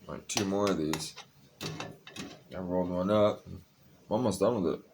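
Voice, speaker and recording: Man, young adult, very deep voice, tired, rambling, swears a lot, casual vlog talk. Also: moderate pace, a little mellow, a little hiss or hum. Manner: rambling, confessional, curses freely. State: tired, a bit high. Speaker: vlogger.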